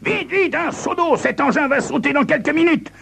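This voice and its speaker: A man voicing a flustered male police lieutenant who is polite but quick to panic. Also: on the high side, sing-song, a little hiss or hum, pitched above the performer's own voice. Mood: panicked.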